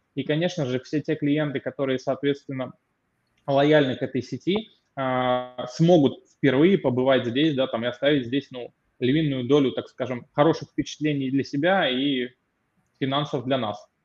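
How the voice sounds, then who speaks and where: Speaking at a moderate pace with long, frequent pauses, a man holds a fairly high pitch and fairly even intonation. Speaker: real estate sales director. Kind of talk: webinar sales presentation. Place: office. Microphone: connection and sound glitches; video call.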